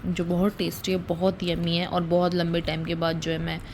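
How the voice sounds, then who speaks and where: A young woman from India chatting casually to her viewers as a vlogger, talkative and quick to laugh, filming on a phone around her family home. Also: fairly low pitch, level tone, darkish tone, a little hiss or hum. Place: family home, indoors and outdoors.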